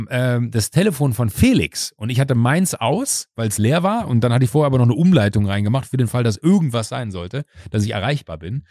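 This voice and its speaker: A man in his forties tells a story in a relaxed, lively way and breaks into the voices of the people in it. His voice sits at an ordinary middle pitch and is recorded close and dry. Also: no room sound. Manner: animated, acts out quoted dialogue, frequent fillers. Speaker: podcast host. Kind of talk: casual storytelling.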